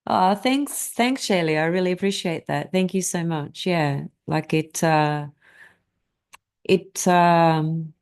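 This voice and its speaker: This woman's voice sits on the low side, dark, clear and resonant, and she takes her time. A native Greek speaker, she hosts a casual astrology live stream, rambling to viewers with plenty of fillers and restarts.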